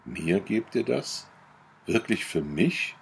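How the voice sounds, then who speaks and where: A man's voice: sits low, animated, slow pace, creaky, slight background noise, full character voice. A man voicing a proud, moody young village woman in a storybook reading, with eager questions.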